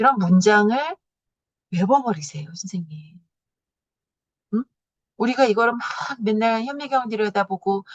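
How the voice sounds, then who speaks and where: An animated woman speaks at a fairly slow pace and a medium pitch, with ordinary pitch variation. The sound is dry and close, with no echo. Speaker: study group leader teaching anatomy. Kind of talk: study session lecture.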